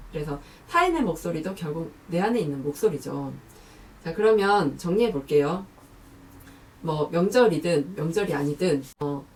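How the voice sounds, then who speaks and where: A woman giving psychology advice to camera, lively, who acts out the remarks she quotes. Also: lowish voice, far from the mic.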